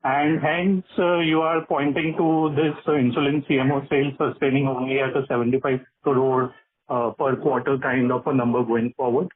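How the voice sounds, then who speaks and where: Husky man calling on a thin phone line. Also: medium pitch, flat delivery, moderate pace. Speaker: financial analyst calling in. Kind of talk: asking questions on an earnings conference call.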